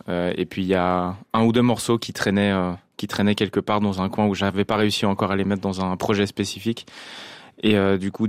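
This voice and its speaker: A man's voice: low voice, no room sound, studio quality. A French-born man, a jazz musician, answering interview questions thoughtfully with many hesitations. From France.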